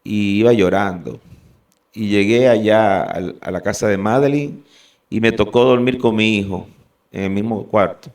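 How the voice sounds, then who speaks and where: A man from Venezuela giving an earnest, halting personal testimony as a guest. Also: fairly low pitch, a little mellow, recorded from a distance.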